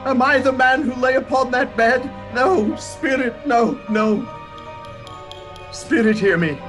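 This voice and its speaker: An actor playing an old miser, repentant and pleading, in theatrical, emotional radio drama style. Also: male voice, very high voice, slow, fairly bright tone, soft background music, exaggerated voice. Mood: desperate pleading.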